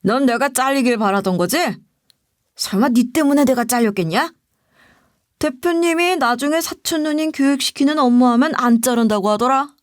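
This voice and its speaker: A woman's voice: high voice, moderate pace, no echo, studio quality, natural voice. A woman reading the part of a smug, scheming male office manager who gloats and sneers. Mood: gloating.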